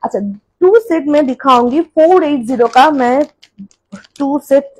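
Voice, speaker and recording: A woman selling jewellery on a live stream. She says each price slowly and more than once, and chats quickly in between. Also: sits high, rough recording. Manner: repeats prices slowly, then chats fast in bursts. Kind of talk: live-stream sales talk. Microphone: phone camera.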